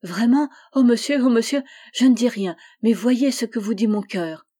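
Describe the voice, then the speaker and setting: A woman's voice: on the high side, moderate pace, warm tone, close to an everyday voice. Humble, earnest boy , read by a woman, imploring and devoted, storybook audiobook. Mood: pleading, earnest. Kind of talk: audiobook reading.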